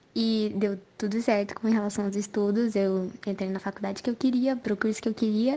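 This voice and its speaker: At a moderate pace, a woman talks in a fairly high pitch with a dark, mellow tone and fairly even intonation. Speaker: listener sending voice message. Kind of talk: recorded voice message.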